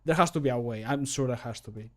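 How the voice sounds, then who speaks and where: A man's voice: medium pitch, fast talker. A man in his thirties chatting casually on a livestream, rambling and easily sidetracked, recorded at a desk microphone in a small room. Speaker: livestreamer and mod maker. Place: small closed room at home. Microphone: microphone at a desk, streaming.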